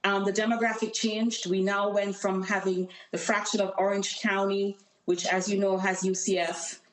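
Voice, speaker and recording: A woman's voice: medium pitch, flat delivery, moderate pace, echoey room, poor audio. A woman with a Jamaican accent, a political candidate speaking earnestly and emphatically as a guest on a remote call. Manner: earnest, emphatic campaign talk. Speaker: congressional candidate. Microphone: call audio.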